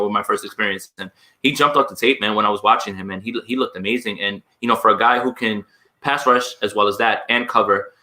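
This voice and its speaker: A man with a bright, forceful voice talks fast and loud. He rambles excitedly about players on a casual sports podcast, speaking over a laptop video call. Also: fairly low pitch. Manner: loud, enthusiastic, rambling film talk.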